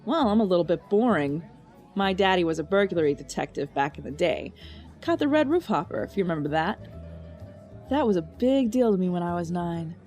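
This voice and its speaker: Teasing, animated female detective played by an actress. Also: on the low side, brisk, faint music behind, lightly acted. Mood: fond reminiscing. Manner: easygoing, teasing. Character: plain-spoken, teasing female police detective. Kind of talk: audio drama acting.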